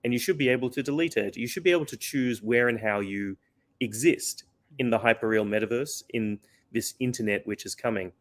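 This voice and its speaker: A man being interviewed as a company founder, explaining earnestly with frequent fillers and restarts while his voice is going hoarse. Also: medium pitch, brisk. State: losing his voice. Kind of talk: conversational interview answer.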